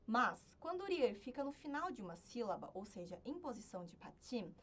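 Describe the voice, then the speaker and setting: A woman teaching an online language lesson, explaining step by step and often checking in with her students. She slows down to sound out example words. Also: fairly high pitch, sing-song, slight background noise.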